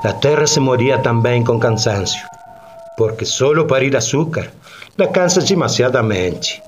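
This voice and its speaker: An actor playing a weary, bitter Black slave on a sugar plantation, lamenting in broken rustic speech in a radio drama. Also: male voice, medium pitch, expressive, moderate pace, a little hiss or hum, lightly acted.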